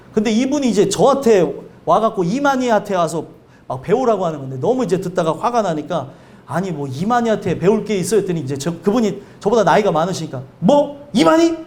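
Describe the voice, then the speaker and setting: A male pastor giving a sermon, earnest and conversational, with lively anecdotes. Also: high voice.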